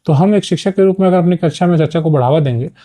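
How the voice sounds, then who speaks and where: A man's voice: a little high, racing, dark tone. A man teaching an exam-prep lesson, explaining step by step and often checking in with "okay". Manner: explanatory, frequent "ठीक है" checks.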